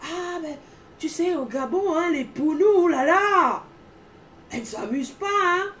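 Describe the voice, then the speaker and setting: A woman imitating a teasing, mocking French male office colleague who exclaims loudly. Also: extremely high pitch, animated, a little slow, roomy sound, slight background noise, pitched above the performer's own voice, exaggerated voice.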